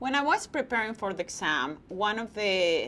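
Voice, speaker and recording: Non-native accent, woman speaking. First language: not English. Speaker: accountant and auditor. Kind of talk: interview testimony.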